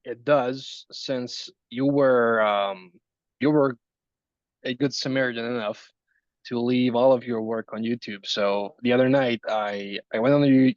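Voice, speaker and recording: A man's voice: medium pitch, steady tone, no echo. A young man in his twenties talks casually, teasing and chatty, often restarting his sentences. His sound is dull and lo-fi, and the room is dry. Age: 20s. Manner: teasing, chatty, halting starts. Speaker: group participant. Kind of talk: casual chat.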